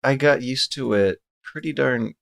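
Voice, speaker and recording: A man co-hosting a podcast who reads out listener questions and talks in halting starts, repeating his first words. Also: mid-range voice, creaky, a bit bright. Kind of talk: casual podcast chat.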